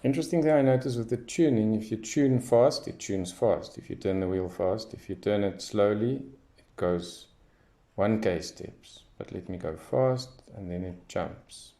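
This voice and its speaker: A man's voice: lowish voice, measured pace, warm tone. A man giving casual hands-on commentary as a radio hobbyist, thinking aloud as he tests. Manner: unscripted, thinking aloud while testing.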